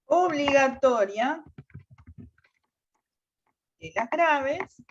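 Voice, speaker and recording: A woman teacher explaining spelling rules to her class, often checking in with a quick "tá?". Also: high voice, lively intonation, lo-fi sound, a little hiss or hum. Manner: checks understanding with frequent "¿tá?". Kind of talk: classroom lesson on Spanish accent rules.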